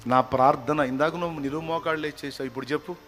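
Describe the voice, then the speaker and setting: Fiery indian preacher guy, a bit high voice, soft music underneath. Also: steady tone. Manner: fervent, scolding, drawn-out singing. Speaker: pastor. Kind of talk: sermon with sung hymn.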